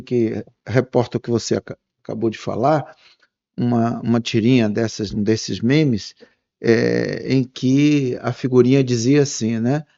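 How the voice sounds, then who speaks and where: A man's voice: mid-range voice, gravelly, dark tone, muffled recording. A man hosting an interview, asking long, winding, appreciative questions with frequent fillers. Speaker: interview host.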